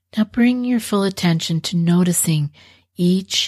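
A woman's soothing, calm, somewhat breathy voice with ordinary pitch variation, in a very clean recording with a silent background and a dry, close sound with no echo. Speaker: podcast host and anxiety coach. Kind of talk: guided meditation. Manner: slow, soothing, calm and gentle, with unhurried pacing.

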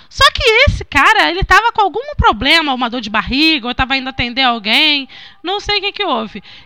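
A woman speaks at a high pitch and a fairly quick pace, her voice raised and projected. Her tone is bright and sharp, and her pitch swings very widely. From Rio de Janeiro suburbs. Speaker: podcast co-host. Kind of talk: casual chat.

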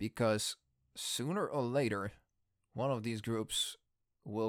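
A man with a Dutch accent speaks at a very slow pace in a medium pitch with fairly even intonation. The sound is dry and close with no echo, and the recording is very clean with a silent background. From Netherlands. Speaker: security professional and channel host. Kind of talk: solo commentary podcast. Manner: halting.

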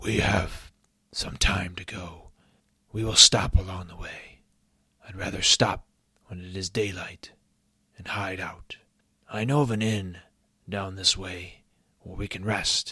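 Whispering in a put-on character voice, a man goes at a fairly slow pace with long, frequent pauses. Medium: read story. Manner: calm, cautious.

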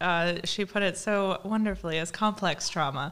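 A woman's ordinary speaking voice, fairly low-pitched, with ordinary pitch variation at a moderate pace. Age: 20s. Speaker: chiropractor and trauma survivor. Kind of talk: interview testimony.

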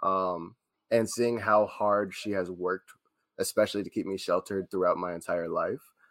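A man speaks in a plain, everyday voice with an American accent. His pitch is fairly low and his intonation fairly even. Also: very clean recording, silent background. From Ohio and Texas (US), Ghanaian heritage. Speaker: fashion brand founder. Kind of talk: podcast interview.

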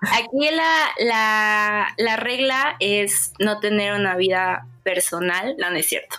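Very slow, very evenly loud speech from a woman, fairly high-pitched, with lively intonation. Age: 20s. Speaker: designer. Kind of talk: casual chat.

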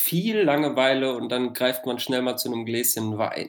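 In a plain, everyday voice, a man speaks with ordinary pitch variation. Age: 20s. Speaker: jingle maker and friend of a host. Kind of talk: casual chat. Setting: remote call.

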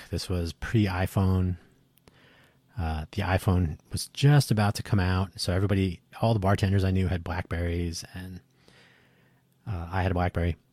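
Dry and close with no echo, a man's very deep, low, somewhat breathy voice with a dark, mellow tone moves at a moderate pace with fairly even intonation and long, frequent pauses. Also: very clean recording, silent background. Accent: American. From New Jersey. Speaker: podcast host, software developer. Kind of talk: solo monologue podcast. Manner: rambling with many fillers.

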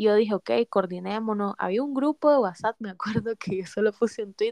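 A normal speaking voice at a moderate pace, heard against a quiet background with a dry, close sound with no echo. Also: woman. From Nicaragua, Managua. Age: 20s. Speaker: youth activist. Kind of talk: interview.

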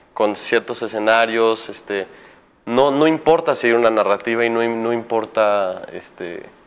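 The man, in a normal speaking voice, takes a fairly slow pace and ordinary pitch variation. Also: medium pitch for a man. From Mexico. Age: 20s. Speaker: film and music video director. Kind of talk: interview.

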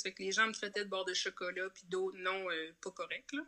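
A woman with a plain, everyday voice talks at a fairly quick pace. Her pitch varies in an ordinary way. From New Brunswick, Canada (Acadian region near Quebec and Maine). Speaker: cook and food vlogger. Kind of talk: interview. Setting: video call.

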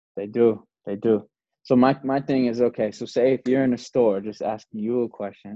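This man has a plain, everyday voice at medium pitch, speaking at a moderate pace with fairly even intonation. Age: 20s. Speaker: fitness instructor. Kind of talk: casual chat.

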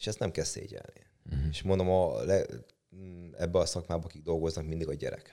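A man speaks at a fairly quick pace. His speech has long, frequent pauses. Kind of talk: casual interview.

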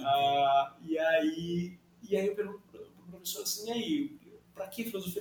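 Lively intonation carries speech that moves at a fairly quick pace. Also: man. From Florianópolis, southern Brazil. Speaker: social impact innovation professional. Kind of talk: casual interview conversation. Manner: halting, many repetitions.

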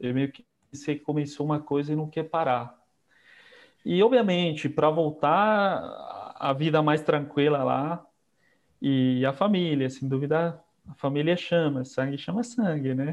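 Speaking at a fairly slow pace with long, frequent pauses, a man shows ordinary pitch variation. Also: fairly high pitch for a man. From Bolivia. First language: Spanish (speaking Portuguese). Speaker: orthopedic surgeon. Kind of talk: casual interview.

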